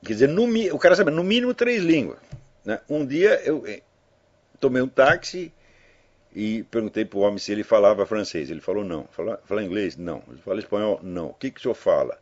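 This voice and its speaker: Husky older man, rambling commentary. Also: on the low side, animated, fairly quick, darkish tone. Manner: rambling, tag questions, anecdotal. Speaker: commentator addressing listeners. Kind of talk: casual spoken commentary. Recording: dull lo-fi audio.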